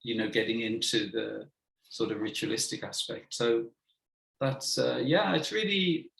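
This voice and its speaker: A man hosting a conversational interview over a video call, speaking gently and haltingly with many fillers. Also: medium pitch, gravelly, echoey room, low-quality recording. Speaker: host.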